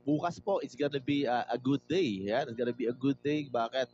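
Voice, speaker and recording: A man's voice: medium pitch, moderate pace, darkish tone, a little hiss or hum. A Filipino man hosting a livestream, casually greeting viewers by name, reading comments aloud and mixing Tagalog with English. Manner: mixes Tagalog and English freely. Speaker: livestream host. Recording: dull lo-fi livestream audio with faint music.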